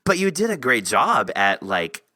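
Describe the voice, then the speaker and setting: A man's voice: mid-range voice, sing-song, a little slow, sharp tone, no room sound, studio quality. A man hosting an interview in a casual, rambling, informal way, often padding his sentences with conversational filler. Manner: rambling, informal, peppered with "you know". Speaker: podcast host interviewing an author.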